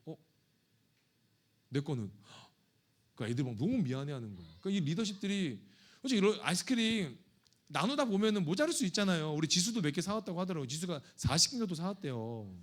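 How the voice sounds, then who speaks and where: A man's voice: sits high, very animated, fast talker. A male pastor preaching a sermon in a conversational, joking and confessional manner. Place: church sanctuary.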